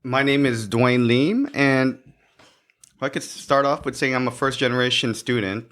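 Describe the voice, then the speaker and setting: A young man from the Philippines, a cybersecurity professional, answering questions as a podcast guest, talking haltingly with many restarts. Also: medium pitch, fairly bright tone. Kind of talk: podcast interview.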